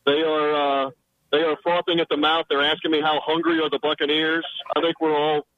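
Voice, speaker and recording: A man, a sideline reporter guesting on a radio sports show, giving confident, rapid-fire football analysis from a sheltered spot outside a stadium. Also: on the high side, level tone, no room sound, phone-quality sound.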